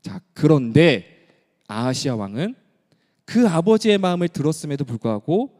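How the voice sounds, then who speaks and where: A man's voice: on the high side, sing-song, moderate pace, darkish tone. A male pastor preaching a sermon in a church, emphatic and full of rhetorical questions. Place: church sanctuary. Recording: long church hall reverb.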